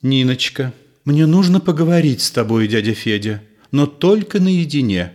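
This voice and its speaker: A man playing a high, eager young girl. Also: lively intonation, moderate pace, lightly acted. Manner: high, bright, pleading. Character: young woman, girlish, eager and tender. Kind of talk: reading a play aloud.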